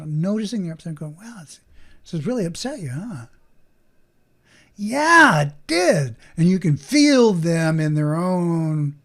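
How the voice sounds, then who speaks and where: Earnest man coaching on mindfulness. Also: a little high. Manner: animated, acts out both sides of dialogues. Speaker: podcast host. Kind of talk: solo mindfulness talk.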